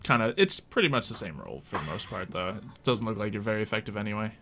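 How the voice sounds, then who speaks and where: A man's voice: on the low side, expressive, fast talker, a bit bright, a little hiss or hum. A man acting as game master, casually narrating and refereeing a tabletop roleplaying game.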